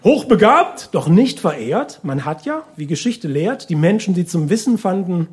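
A man's voice: high voice, sing-song, normal speed. A male comedian performing a live monologue in a wry, colloquial and theatrical way. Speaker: stand-up comedian and slam poet. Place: live stage before an audience. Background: audience laughter.

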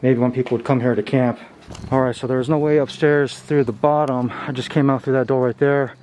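A man in his thirties hosts a casual vlog exploring abandoned places, narrating haltingly and thinking aloud as he walks outdoors and through derelict buildings. His mid-pitched voice is steady and a little mellow. Audio from the handheld camera, held at arm's length, picks up light ambient noise.

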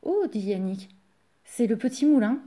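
A woman's voice: fairly high pitch, lively intonation, moderate pace, mellow, natural voice. A woman voicing a poor, humble man who stays content and polite. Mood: obliging.

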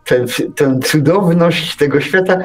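Higher-voiced man in casual opinionated discussion. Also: measured pace. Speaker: radio talk co-speaker. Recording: music under the talk. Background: music.

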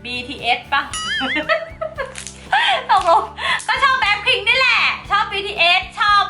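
A woman's voice: extremely high pitch, expressive, normal speed, over loud music. A woman hosting a casual chat vlog in a chatty, giggly, playful way. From Thailand. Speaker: slime channel host.

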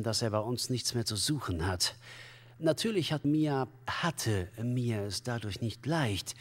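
An esoteric commune leader in a crime radio play. He is unctuous and evasive, halting and solemn in his flowery talk. The husky voice swings widely in pitch under long reverb. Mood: mournful, evasive. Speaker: suspect under police questioning. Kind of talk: crime radio drama acting.

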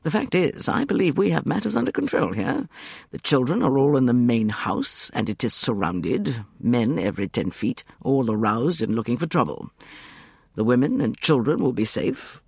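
A man playing a drawling, sardonic gentleman. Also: mid-range voice, lively intonation, normal speed, creaky, slightly rough, dry recording, clean studio sound. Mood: smooth. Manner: irritating drawl. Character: suave, sardonic middle-aged gentleman schemer.

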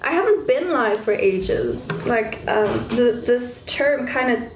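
A woman's voice: fairly high pitch, animated, takes it slowly, gravelly, reverberant, a little hiss or hum. A young woman with a stuffy nose and a fading voice, chatting casually with viewers of her livestream from her bedroom, easily distracted. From South Africa. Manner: chatty, easily distracted, squeals at cute things. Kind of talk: casual live chat with viewers. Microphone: phone held close.

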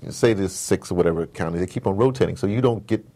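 A man's voice: sits low, fast, warm tone. An American man telling rambling, opinionated stories in a casual interview, often digressing and acting out conversations. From United States. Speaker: interview guest, audio drama producer.

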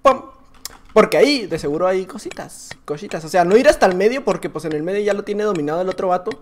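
A man with a Mexican Spanish accent giving casual, excitable gameplay commentary, full of slang, laughing and often shouting. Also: sits high, quick pace, slight background noise. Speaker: gaming YouTuber.

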